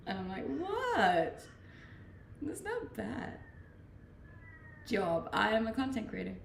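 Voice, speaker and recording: Danish woman, gravelly voice, roomy stream. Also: a little high, slow, slight background noise. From Denmark. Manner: relaxed, reads questions aloud then answers. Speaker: streamer answering chat questions. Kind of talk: casual chat. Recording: roomy, distant-mic home stream.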